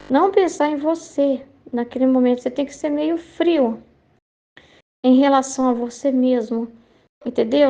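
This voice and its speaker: A woman's voice: high voice, a little mellow. A woman sharing a casual spoken faith testimony, hesitant and searching for words, often checking in with tag questions.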